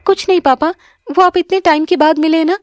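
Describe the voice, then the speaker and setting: A woman voicing a gentle, pleading young stepdaughter in an animated story. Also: very high-pitched, a little fast, slight background noise, voice pushed up. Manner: pleading, soft-spoken.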